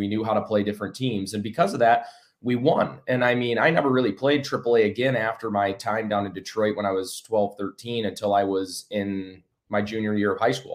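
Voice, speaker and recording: Here is a man with an American accent and an ordinary speaking voice. His pitch is fairly low, and his intonation fairly even. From Michigan, Battle Creek. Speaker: hockey advisor, former pro hockey player. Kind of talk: casual interview chat.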